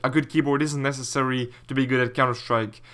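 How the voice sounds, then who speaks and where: Young male YouTube gamer, Latvian accent, mid-pitched voice, casual Q&A delivery. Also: flat delivery, quick pace, bright, forceful tone. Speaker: YouTube gaming commentator. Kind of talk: casual Q&A commentary reading viewer questions.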